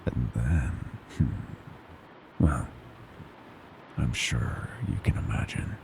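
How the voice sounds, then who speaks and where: A man's voice: very slow, noisy background, exaggerated voice. A man voicing a gleeful, predatory monster from under the bed in a horror ASMR roleplay, menacing and mockingly tender, savoring his words and slipping into whispers. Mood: threatening. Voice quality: very deep, gravelly creaking growl.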